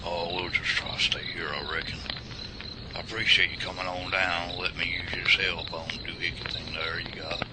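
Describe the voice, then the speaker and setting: Outdoors at night, with crickets loud in the background, a man plays a folksy old-timer in plain talk. His voice is deep and drawling, colloquial, moving at a moderate pace with little change in pitch.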